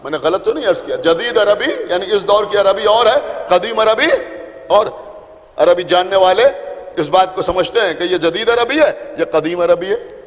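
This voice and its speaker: Male preacher, Lucknow Urdu accent, high-pitched, explanatory sermon, repetitive emphasis, echoing imambara hall. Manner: explanatory, checks in with the audience, repeats points for emphasis. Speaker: Shia preacher addressing a majlis. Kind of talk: Urdu sermon to a seated congregation. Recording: reverberant hall.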